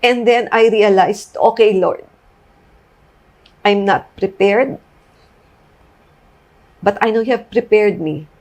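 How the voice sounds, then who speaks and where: A woman's voice: medium pitch, slow, pauses often, a little mellow. A middle-aged woman with a Filipino accent giving a personal testimony as a guest, mixing Tagalog and English as she recounts what was said. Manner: recounts quotes, switching between Tagalog and English.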